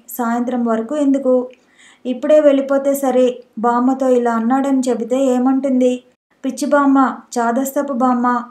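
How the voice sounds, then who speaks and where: A woman's voice: high voice, mellow. A woman narrating a novel as an audiobook, reading steadily and evenly.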